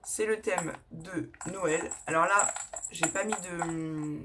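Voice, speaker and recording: A woman's voice: lowish voice, slow, noisy background. A woman talking casually in a haul vlog, chatty and rambling, often correcting herself as she shows her crafting purchases. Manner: chatty and rambling, with frequent self-corrections and laughs; enthusiastic, showing items to the camera. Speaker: scrapbooking vlogger.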